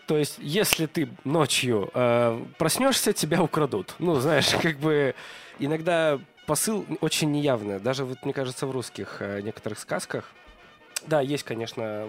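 A man in a casual podcast conversation, agreeable and reflective, hesitating with fillers. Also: medium pitch.

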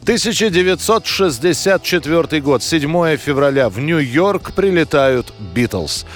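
Higher-pitched male narrator over music. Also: expressive, a little slow. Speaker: presenter of a history programme. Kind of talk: scripted documentary narration. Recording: music under the voice. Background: background music.

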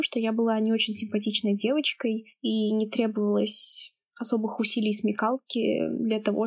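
A young woman in her late teens, from Kamchatka, with no accent, calmly telling her own story in a measured, reflective way. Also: on the high side. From Kamchatka, Russia. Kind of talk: personal account, reflective narration.

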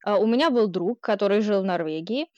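A Ukrainian woman with a Ukrainian accent chats warmly as a guest in a casual conversational interview, laughing a lot as she talks. Her medium-pitched voice moves fairly quickly, and the recording is muffled with no room sound.

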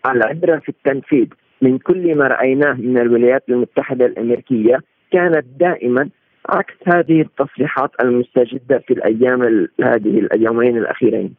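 A male analyst giving interview commentary in formal Standard Arabic, explaining at length and sometimes correcting himself haltingly. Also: mid-range voice, no echo. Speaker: political and economic analyst, interview guest. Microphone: remote phone-like connection. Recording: tinny narrowband phone-like line.

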